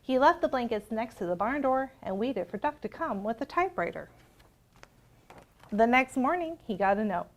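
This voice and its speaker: A woman reading a children's picture book aloud, expressive, with singsong sound effects. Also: on the high side, normal speed. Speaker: storyteller. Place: public access TV studio.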